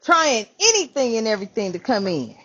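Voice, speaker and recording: A woman host giving a casual spiritual reading, animated and profane, calling her viewers family. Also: fairly high pitch, brisk, highs cut off. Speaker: spiritual reader, channel host.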